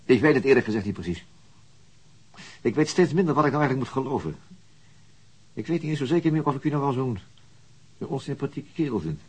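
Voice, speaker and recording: Quick-spoken husky police detective. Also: male voice, mid-range voice, animated, a little mellow. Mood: thoughtful. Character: calm probing male police detective. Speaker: interrogating detective. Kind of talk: radio drama acting.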